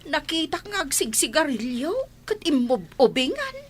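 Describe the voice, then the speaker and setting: A woman voicing a gossiping village woman, animated as she passes along news. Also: high voice, normal speed. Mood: gossipy.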